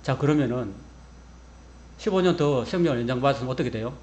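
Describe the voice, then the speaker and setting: A male pastor preaching a sermon, telling the story in a lively, humorous way and acting out the quotes. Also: mid-range voice, quick pace, slight background noise.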